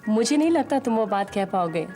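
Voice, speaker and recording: A guarded young woman with a mellow, mid-pitched voice, as an actress plays her. She speaks gently and carefully. Music plays behind the scene. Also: animated, a little fast, lightly acted. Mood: gentle. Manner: gentle, cautious. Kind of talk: TV serial drama acting.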